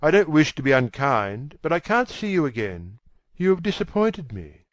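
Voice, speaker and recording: A man voicing a bitter, contemptuous young gentleman in a storybook reading, cold and cutting. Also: a little high, very animated, moderate pace. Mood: cold disdain.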